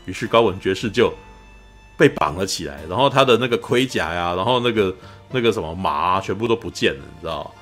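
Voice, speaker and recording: Fast-talking podcast host. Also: male voice, low-pitched, faint music behind. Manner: animated storyteller, keeps asking "you know?". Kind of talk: casual film review chat.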